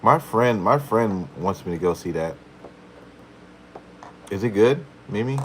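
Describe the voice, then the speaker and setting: A man's voice: fairly low pitch, lively intonation, unhurried, slight background noise, rough recording. A man hosting a casual live stream as a tarot reader, playfully answering viewer questions with frequent chuckles.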